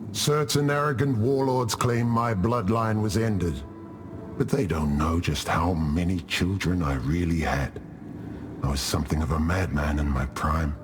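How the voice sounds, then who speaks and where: A boastful warlord of a tribal afterlife , played by a male game actor, with a low male voice. He tells his tales with jovial, teasing swagger, as a fighter proud of his prime. Music plays clearly behind him. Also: natural voice. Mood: gleeful, teasing. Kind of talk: video game character dialogue. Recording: music under the voice.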